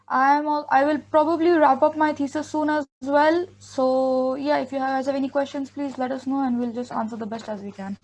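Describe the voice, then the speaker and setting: A woman's voice: sits high, fairly even intonation, moderate pace, few pauses, a little mellow, low-quality recording. A young woman, a second-year master's student, introducing herself in a friendly, casual way. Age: young adult. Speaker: student ambassador.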